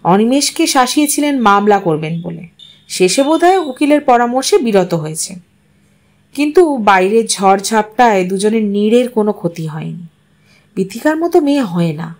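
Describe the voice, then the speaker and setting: A woman's voice: mid-range voice, lively intonation, moderate pace. A woman narrator reading a literary story aloud in a scripted storytelling style.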